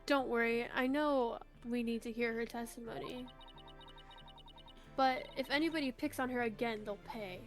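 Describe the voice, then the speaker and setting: A woman with a high voice joins a game playthrough as co-player. She chats casually and reads out character lines into a headset mic. Game music plays faintly behind her. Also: fairly even intonation, moderate pace. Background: video game music.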